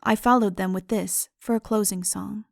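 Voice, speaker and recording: A woman narrating a literary audiobook as a dramatic reading, in a measured, formal storytelling manner. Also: medium pitch, fairly even intonation, vocal fry.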